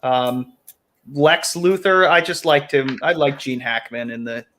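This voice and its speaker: A man chatting casually as a panelist in a film discussion, hesitant and halting as he talks. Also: mid-range voice, a bit bright. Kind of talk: casual chat.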